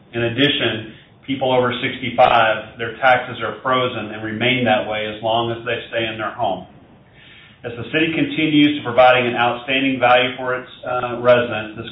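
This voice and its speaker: A man speaks in a monotone, flat intonation at a moderate pace. Audible room echo follows his words. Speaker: city manager. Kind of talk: public budget presentation and Q&A. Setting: telephone town hall. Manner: halting, many filler words.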